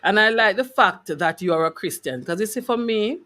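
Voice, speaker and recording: A woman's voice: mid-range voice, moderate pace, pushed and bright. A woman hosting a Christian radio interview, encouraging and affirming her guest as she talks. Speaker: radio show host.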